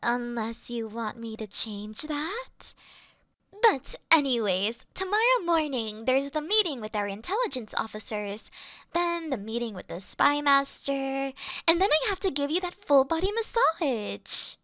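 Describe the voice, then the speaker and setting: A woman voicing a flirty yandere female demon familiar who speaks to her mistress in a soft, adoring, sweetly fanatical way. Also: high-pitched, very animated, a little slow, no echo, heavily acted. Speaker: voice actress in audio roleplay. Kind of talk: scripted audio roleplay.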